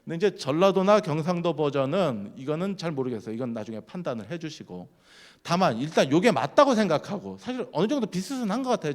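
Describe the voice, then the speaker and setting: A man giving a sermon at a church, keeping it lively by putting questions to the congregation. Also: fairly high pitch. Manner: lively, keeps quizzing the congregation. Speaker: guest speaker at a church.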